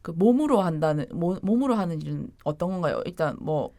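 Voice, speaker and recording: A woman's voice: lowish voice, expressive, a little fast, mellow, no echo. A woman hosting a casual interview, attentively prompting and affirming the other speaker. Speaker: podcast host.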